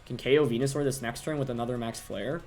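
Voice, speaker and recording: A man's voice: mid-range voice, steady tone, fast, darkish tone, faint music behind. A young man commentating his own competitive video game battle, thinking aloud and second-guessing his plays. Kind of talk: live gameplay commentary.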